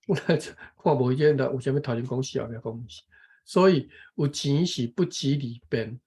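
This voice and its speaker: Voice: medium pitch, unhurried, slightly rough. A speaker from Taiwan reading a text aloud and explaining it, careful and correcting pronunciation syllable by syllable. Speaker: co-host and reading teacher.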